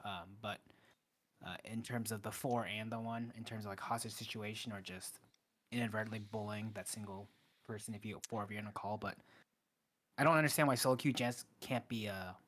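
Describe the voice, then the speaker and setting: A man's voice: lowish voice, fairly even intonation, a little fast, fairly bright tone. A man co-hosting a casual gaming podcast, thinking aloud and sharing opinions a little hesitantly.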